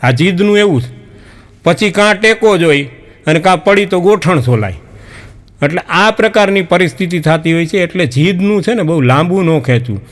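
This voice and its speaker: A man telling folk jokes on stage, acting out the characters in animated storytelling. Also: sits high, moderate pace. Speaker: comedian storyteller.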